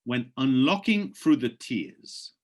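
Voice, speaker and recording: A man hosting a live presentation on a video call, reading out questions from the chat and answering them in a persuasive, urging way, with his voice going hoarse. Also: medium pitch, big pitch swings, slow pace. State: losing his voice.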